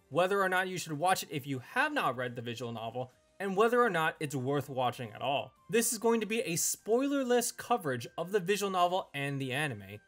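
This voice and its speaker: A man's voice: high voice, a bit bright. A young man reading a scripted review as the host of a video.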